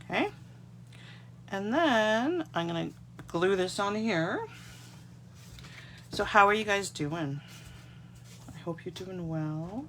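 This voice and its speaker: A stuffy-nosed Canadian woman, fighting off a cold, demonstrates card-making in a laid-back live tutorial and chats to her audience as she goes. Her medium-pitched voice is animated and a bit bright, yet slow with long pauses, over slight background noise. The overhead camera on her desk captures her hands alone.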